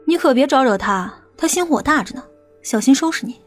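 A woman playing a stern, sharp-tongued police officer in an audiobook, commanding and scolding. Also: sits high, expressive, a little fast, soft background music. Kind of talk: audiobook character acting.

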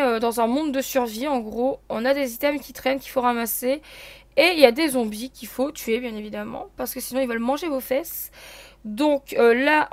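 With a high-pitched voice and no room sound, a young woman gives relaxed commentary as she plays an online game. She's chatty, explaining the rules to her viewers and leaning on many fillers.

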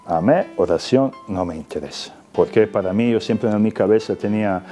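A young Serbian man with a Serbian accent, speaking Spanish as a second language and giving a halting personal testimony full of repeated words. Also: low-pitched, warm tone. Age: young adult. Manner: halting, repeats words, non-native grammar. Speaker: testimony giver.

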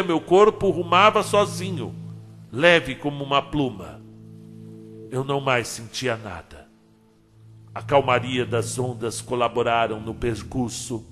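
A man reading a short story aloud as narrator, dramatic and emotional, with long pauses. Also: medium pitch. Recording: long hall reverb, soft music behind. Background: soft background music.

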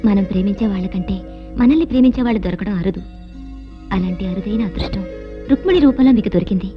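A calm, wise woman, played by an actress giving measured advice at a quick pace. Dull film audio carries faint music behind her. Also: medium pitch, lightly acted.

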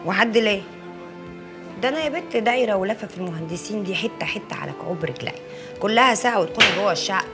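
Actress as a rapid-fire, practical Egyptian woman in a TV drama, bossy, music behind. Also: mid-range voice, animated, lightly acted. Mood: brisk. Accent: Egyptian Arabic. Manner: brisk, bossy. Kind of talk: TV drama acting.

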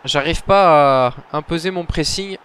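A man commentating his own football video game match, muttering between plays and shouting when goals go in. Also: on the high side, a little slow, clean tone. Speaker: gaming commentator.

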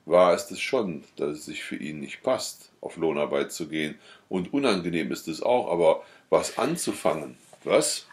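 Very deep-voiced man reading a novel. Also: moderate pace, few pauses. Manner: steady reading with occasional slips and self-corrections. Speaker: audiobook reader. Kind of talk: reading a classic novel aloud.

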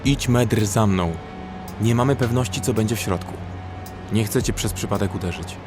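An actor playing a protective, pragmatic young survivor in a horror audio drama, speaking practically and in control. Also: male voice, on the low side, moderate pace, lightly acted. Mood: cautious, tense. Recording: music under the voice.

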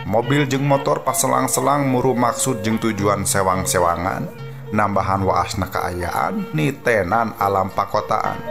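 A man with a Sundanese accent narrating a scripted story dramatically as a radio storyteller. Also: on the low side.

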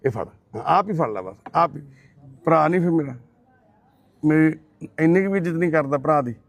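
A man with a Punjabi accent who volunteers at a care shelter, gently and repeatedly coaxing another man as his brother and explaining to the camera. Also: fairly high pitch, animated, brisk, no room sound. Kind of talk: coaxing talk and narration to camera.

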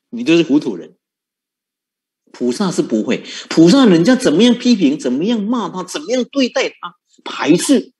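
Male monk, fairly high and very lively voice, giving a Buddhist dharma talk full of rhetorical questions and chuckles. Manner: animated, rhetorical questions, frequent chuckles and drawn-out particles.

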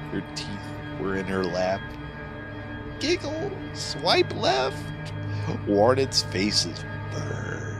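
A man's voice: deep voice, exaggerated voice. A man voicing a feverish, terrified man losing his mind, erratic and manic, in a horror audio story. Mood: giddy madness. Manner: erratic, halting then shrieking, manic. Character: feverish, terrified, unhinged man reading his deranged journal.

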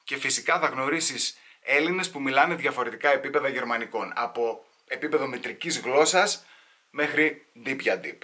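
Male comedian, home storytelling set, bright-toned, chatty and slangy. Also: medium pitch. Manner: animated, slangy, switching into mock voices.

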